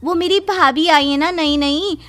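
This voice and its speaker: A woman's voice: high-pitched, unhurried, pushed and bright, soft background music. A woman voicing a young daughter-in-law in a cartoon who complains in an exasperated way. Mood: complaining.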